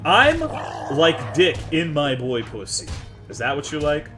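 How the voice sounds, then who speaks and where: A brash man talks to his chat while playing, swearing freely and trading jokes. His pitch swings widely, and faint game music plays underneath. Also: very animated, unhurried. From Texas. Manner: brash, profane, joking with chat. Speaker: streamer. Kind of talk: casual live gaming stream chatter.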